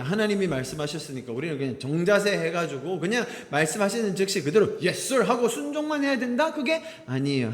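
A man teaching a Bible study as a pastor, animated and playful, acting out the scripture lines. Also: sits high, long reverb tail. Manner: animated, playful, acts out quotes.

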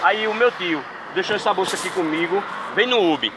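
Insistent, fast-talking prankster man on the street. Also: high voice, expressive. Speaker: prank video host. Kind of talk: street prank, persuasive chatter. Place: outdoors on a city street. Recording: street noise from passing cars. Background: traffic noise.

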